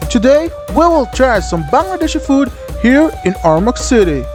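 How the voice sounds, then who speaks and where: A man's voice: very high-pitched, sing-song, moderate pace, over music, rough recording. A man presenting a food vlog, upbeat and talking to viewers. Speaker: food vlogger.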